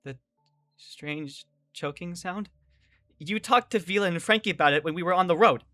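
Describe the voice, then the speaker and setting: A woman narrating a first-person horror audio drama, expressive, moving between hushed narration and excited character dialogue. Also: on the low side, normal speed, no echo. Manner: expressive, swings from hushed to shouting. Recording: music playing behind the voice.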